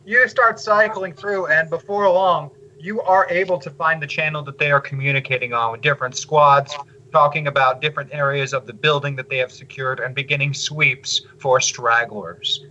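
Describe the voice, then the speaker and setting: Bright-voiced man narrating a tabletop game. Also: on the high side, steady tone, highs cut off, slight background noise. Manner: measured descriptive narration. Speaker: game master.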